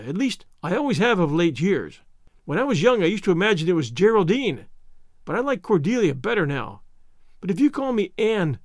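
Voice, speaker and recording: A man reading aloud and voicing an eager, dramatic orphan girl of about eleven in a higher, breathless, gushing tone. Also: darkish tone, no echo, clean studio sound. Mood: earnest.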